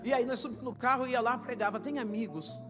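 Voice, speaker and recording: A woman pastor with a Brazilian Portuguese accent gives an emotional testimony sermon, moving from quiet storytelling to shouted, half-sung preaching. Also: a little high, fast. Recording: echoey hall with long reverb and loud music behind.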